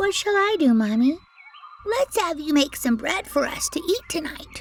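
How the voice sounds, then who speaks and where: A woman puts on a character voice with an extremely high pitch and a warm tone. She swings widely in pitch while keeping a moderate pace. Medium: read story. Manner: warm, motherly.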